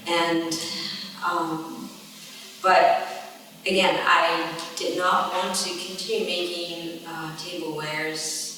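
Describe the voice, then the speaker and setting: Woman, middle-aged, slow and halting, bright tone, echoey hall with long reverb, faint background ambience. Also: on the low side, flat delivery, recorded from a distance, a little hiss or hum. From Japan. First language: Japanese. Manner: halting, searching for words, many pauses. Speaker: artist giving a talk. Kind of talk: unscripted artist talk.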